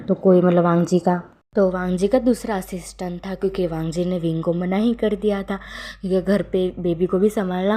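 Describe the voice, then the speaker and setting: Woman, casual fan-story narration, mellow, rambling, filler-heavy. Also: mid-range voice.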